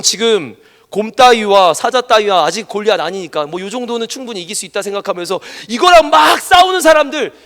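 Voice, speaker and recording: A man preaching a sermon as pastor, animated and emphatic, acting out the voices he quotes. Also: high-pitched. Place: church education hall. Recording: reverberant church hall.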